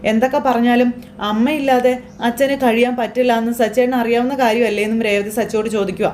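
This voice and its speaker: A woman's voice: fairly high pitch, darkish tone, a little hiss or hum. A woman casually retelling a TV serial episode as a chatty storyteller, quoting the characters' lines herself. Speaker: serial recap narrator.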